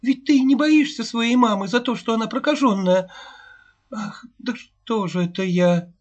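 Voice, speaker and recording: A woman's voice: fairly low pitch, expressive, takes it slowly, pitched above the performer's own voice. A man voicing a distraught peasant mother who is sick and bitter, pleading and wailing. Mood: sobbing. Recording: dull lo-fi recording.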